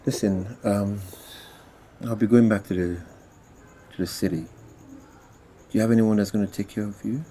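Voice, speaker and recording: A man playing a gentle uncle who soothes and reassures a grieving child. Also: lowish voice, steady tone, normal speed, long pauses, slight background noise, close to an everyday voice. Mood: soothing. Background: music score.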